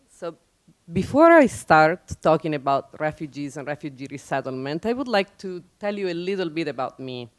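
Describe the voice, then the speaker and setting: A woman's voice: low voice, no room sound. A middle-aged woman from Italy with an Italian accent, giving a personal, informal public talk as a guest speaker in reflective, hesitant phrasing. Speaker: guest speaker, nonprofit office director.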